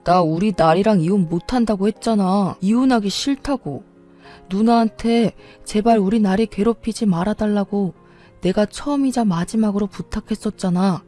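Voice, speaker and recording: A woman's voice: medium pitch, normal speed, dark tone, faint music behind, natural voice. A woman voicing a young husband who begs and cries in a storybook tale. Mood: angry tearful. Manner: tearful pleading. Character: young husband, desperate and pleading.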